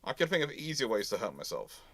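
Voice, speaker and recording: A man's voice: fairly low pitch, very animated, fast, fairly bright tone, no room sound. Discursive man, dry close sound. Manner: discursive, self-correcting, thinks aloud. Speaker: naval history host answering audience questions. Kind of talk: unscripted live question-and-answer talk.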